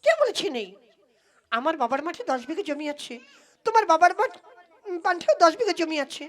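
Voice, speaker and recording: A woman's voice: very high-pitched, very animated, moderate pace. A woman playing an impatient young girlfriend, scolding and emphatic, in a comic puppet play. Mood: insistent. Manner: emphatic, nagging, indignant.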